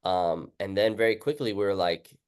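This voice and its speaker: A man with a low-pitched voice hosts a relaxed, casual conversation. He talks informally as the interviewer, dropping in quotes of what he said or thought. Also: moderate pace, smooth. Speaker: interviewer, book author. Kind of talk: casual chat.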